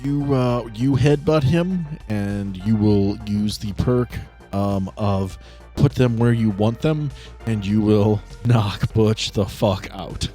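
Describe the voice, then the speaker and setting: A man speaking casually as game master, narrating and bantering in a halting, sardonic, sweary way. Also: on the low side, mellow, faint music behind.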